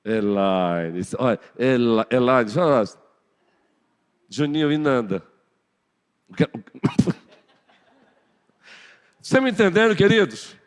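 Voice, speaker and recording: Brazilian pastor preaching in an echoing church. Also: male voice, medium pitch, lively intonation, takes it slowly, pauses often, clear, resonant tone. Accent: Brazilian Portuguese. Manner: playful, teasing the congregation by name. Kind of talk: Sunday morning sermon. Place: church sanctuary. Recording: long church hall reverb.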